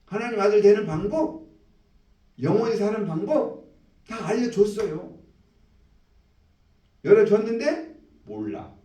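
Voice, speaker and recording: An animated preaching man in an echoey church hall. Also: high voice. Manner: animated preaching, acts out voices of people in the story. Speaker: pastor. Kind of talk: sermon. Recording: echoey room, mic at a distance.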